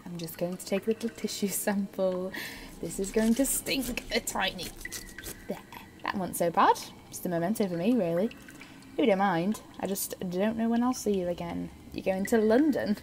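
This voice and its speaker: A woman acting a brisk, wry and obsessive research scientist in a naturalistic audio drama. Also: medium pitch, darkish tone, a little hiss or hum, natural voice. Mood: hushed, tender. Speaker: actor.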